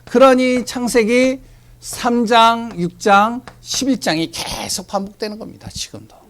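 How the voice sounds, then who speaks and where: A man who is a pastor, preaching a sermon with animated storytelling and rhetorical questions, often dropping suddenly to a quiet voice. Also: very high voice, measured pace, slight background noise.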